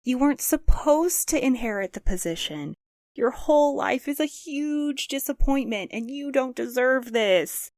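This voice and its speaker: A sharp-tongued, bitter woman with swooping pitch. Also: lively intonation, measured pace, no room sound, studio quality. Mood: bitter, scornful. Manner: sarcastic, cutting. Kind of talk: audio drama acting.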